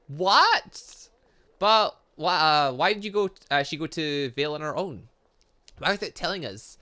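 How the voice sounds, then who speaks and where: A hyperactive young girl from a visual novel, acted out by a man, pitched high and loud. The delivery is bright and gushing, swooping into whiny, childlike exclamations. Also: very animated, a little slow, exaggerated voice. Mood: anxious questioning.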